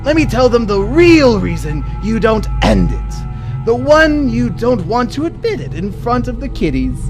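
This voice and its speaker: High, swooping, maniacal clown villain. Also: male voice, full character voice. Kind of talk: comic-book radio drama acting.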